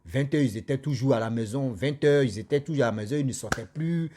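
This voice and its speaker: A man telling a spooky cautionary tale in casual spoken French, animated and repetitive, speaking straight to his listeners. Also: medium pitch, fast talker, a little hiss or hum. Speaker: storyteller.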